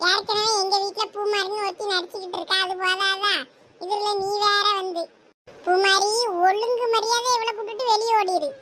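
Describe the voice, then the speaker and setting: A voice actor playing a lazy, grumpy young man in a cartoon, grumbling and sarcastic, with a squeaky sped-up voice. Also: steady tone, normal speed, pushed and bright. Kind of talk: cartoon voice acting.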